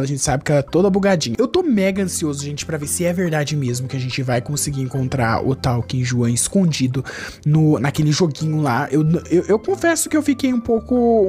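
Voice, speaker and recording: A man from Brazil giving excitable gameplay commentary as a YouTuber, chatting nonstop to his viewers and jumping high in pitch when something surprises him. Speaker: gaming YouTuber.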